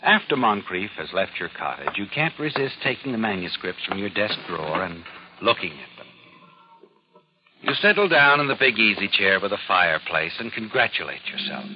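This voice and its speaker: A man's voice: fairly low pitch, big pitch swings, normal speed. An actor playing a sinister, all-knowing narrator who taunts a guilty man in the style of 1940s radio drama. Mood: smug, taunting. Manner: knowing, taunting, addresses the character as you. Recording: dull old radio recording, music behind.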